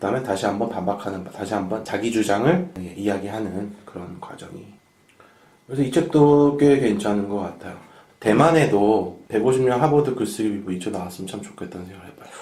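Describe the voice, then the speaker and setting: With an unremarkable speaking voice pitched fairly low, a man talks at a fairly quick pace, his intonation lively and his loudness swinging widely. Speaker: podcast host. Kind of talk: casual chat.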